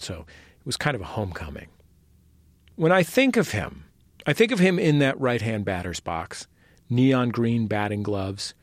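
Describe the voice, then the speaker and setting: Thirties male host, scripted radio narration, animated mid-range voice in a dry studio. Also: medium pitch, dry recording. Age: 30s.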